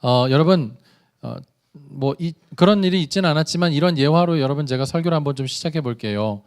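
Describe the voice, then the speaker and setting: A man with a somewhat high-pitched voice delivers a sermon at a church service for young people. He tells stories in an animated, conversational way. He often turns to the listeners and asks them questions directly. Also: brisk. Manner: addresses the congregation directly with questions. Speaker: youth pastor.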